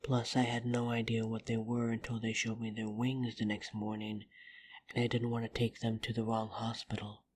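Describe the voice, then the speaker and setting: Breathy, low female voice actress as a polite, earnest vampire, even delivery, fantasy audio drama, slightly noisy recording. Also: normal speed. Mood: firm, protective. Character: polite, steadfast young female vampire coffee house worker. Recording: noisy microphone with rumble and clicks.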